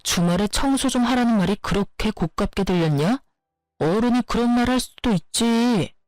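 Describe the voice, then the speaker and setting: A woman's voice: a little high, lively intonation, moderate pace, a little mellow, no room sound, lightly acted. A woman voicing an angry young husband who sarcastically blames his wife over the phone. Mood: accusing. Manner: blaming, sarcastic.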